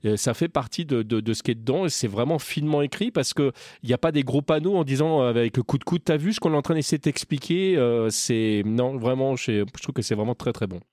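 A man's voice: medium pitch, brisk, few pauses, mellow, dry recording. Hesitant male podcast host, dry sound. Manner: hesitant, lots of restarts and fillers. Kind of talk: casual podcast chat.

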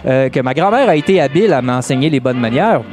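A man's voice: medium pitch, animated, quick pace, music in the background. A man with a Québécois accent, emceeing a live event and calling an auction in a playful, joking way, stretching out the bid calls. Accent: Québécois French.

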